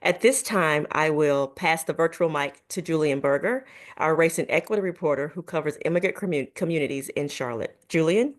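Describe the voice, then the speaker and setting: Woman, station membership director, low voice, polite scripted appeal. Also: brisk. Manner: polite, reads prepared remarks.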